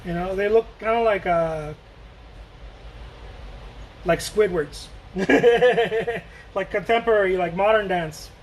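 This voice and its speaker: A man's voice: high-pitched, slow, pauses often, a little hiss or hum, low-quality recording. A man from Mexico chatting casually while he paints live, rambling and joking and answering viewer questions as he goes.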